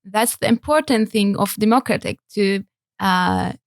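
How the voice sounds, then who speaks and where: A young woman from Syria, a guest in an interview, speaking haltingly with frequent fillers. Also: mid-range voice, dry recording, studio quality. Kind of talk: interview talk.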